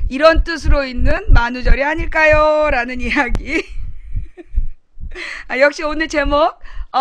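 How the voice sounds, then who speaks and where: A woman hosts a casual live-stream chat show, thanking viewers by name and mocking her critics with a laugh. Her voice sits high and bright. It is recorded dry and close on a desk mic. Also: no room sound. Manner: chatty, laughing, blunt and mocking.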